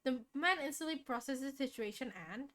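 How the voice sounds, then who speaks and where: A woman's voice: high voice, a little fast. A woman streamer reading a visual novel aloud, mixing dramatic narration with casual, chatty reactions. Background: game music.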